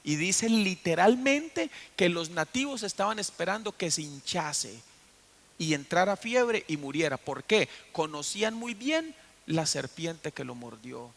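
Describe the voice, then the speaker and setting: A man's voice: high-pitched, big pitch swings, a little slow, gravelly, a bit bright. A man preaching a sermon as pastor, telling the story and putting questions to the congregation. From Costa Rica. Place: church.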